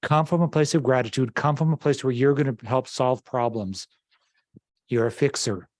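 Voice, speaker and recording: A man's voice: medium pitch, normal speed, a little mellow, no echo. A man leading a real estate team meeting, reading headlines off slides and urging agents with upbeat talk. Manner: upbeat, urging, talks to the room. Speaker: real estate office leader.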